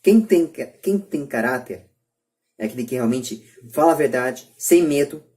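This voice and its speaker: A man with a Brazilian accent calls in from home to a group podcast, where he insists on his opinions earnestly and repeats them for emphasis. His mid-range voice is animated and a little mellow, moving at a moderate pace.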